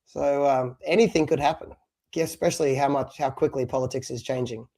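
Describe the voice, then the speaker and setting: A live stream podcast co-host speaks at medium pitch with fairly even intonation, a slightly quick pace and a dark tone. His talk is casual and rambling, packed with fillers, and he has lived in Australia since moving there from abroad at three.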